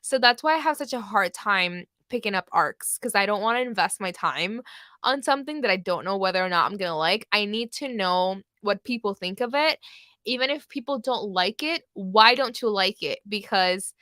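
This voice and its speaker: Young woman, bright voice, dry close sound, casual rambling livestream chat, frequent likes and ums. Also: medium pitch, lively intonation, normal speed, no room sound. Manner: chatty, lots of likes and ums, laughs often. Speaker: book livestream host.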